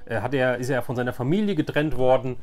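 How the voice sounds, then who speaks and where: A man's voice: mid-range voice, fast, darkish tone. A man in his forties from Germany hosting a casual, nostalgic show-and-tell, speaking in a rambling, repetitive, hesitant way. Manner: hesitant, rambling, repeats phrases. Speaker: YouTube host showing childhood collections.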